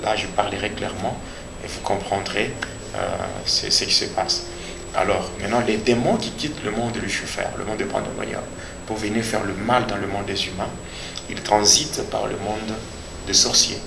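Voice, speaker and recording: Male pastor, Congolese accent, creaky voice, deliberate testimony with emphatic repetition, clearly noisy recording. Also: fairly low pitch, steady tone. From Democratic Republic of the Congo. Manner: deliberate, repeats phrases for emphasis. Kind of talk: personal religious testimony in an interview. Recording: echoey room with clear background noise.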